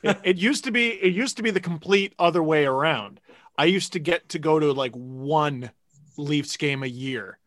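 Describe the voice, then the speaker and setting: A man's voice: a little high, normal speed, a bit bright, no room sound, clean studio sound. A man chatting casually as co-host of a sports podcast.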